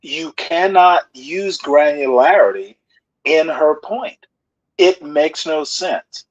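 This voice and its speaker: A man in an online discussion speaks slowly and bluntly, with a slightly high voice. He sounds combative. The call audio is muffled and dry. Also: animated, no echo. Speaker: discussion participant.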